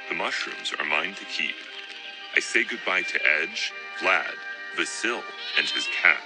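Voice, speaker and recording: A man hosting a documentary, narrating and asking questions in a calm, measured, softly deadpan way. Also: low-pitched, low-quality recording. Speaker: documentary host. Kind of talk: documentary narration and field interviews. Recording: voice over loud background music.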